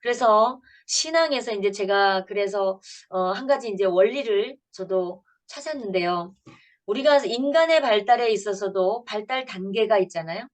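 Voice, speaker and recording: A woman's voice: mid-range voice, moderate pace. A woman in her fifties, a pastor giving a church lecture to parents, telling family stories in an earnest way and acting out the dialogue.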